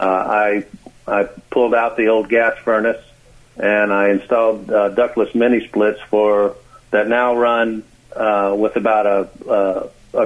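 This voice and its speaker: An American man explaining as a radio interview guest, calling in, with halting speech full of uhs and repeated words. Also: fairly low pitch. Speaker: interview guest, clean energy expert. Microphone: phone call. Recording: tinny, narrow phone line.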